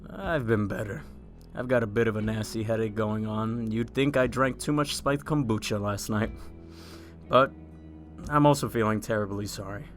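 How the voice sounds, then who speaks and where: Guy acting as earnest apologetic newspaper man, lowish voice, radio play, faint music behind. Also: moderate pace, lightly acted. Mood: sheepish, apologetic. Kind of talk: audio drama acting.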